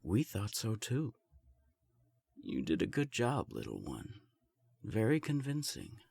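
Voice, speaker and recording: A man playing a formal vampire elder in an audio drama, measured and dryly condescending. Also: lowish voice, wildly swooping pitch, gravelly, darkish tone, slightly rough, no echo, exaggerated voice. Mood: cool, authoritative.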